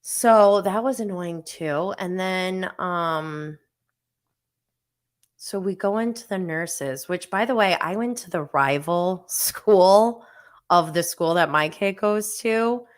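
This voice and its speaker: A woman in her forties tells a story straight to camera in a casual vlog. She talks at an unhurried pace, with a voice that sits a little low. Her telling is animated and self-mocking, and she laughs often. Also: clear, resonant tone. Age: 40s. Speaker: vlogger.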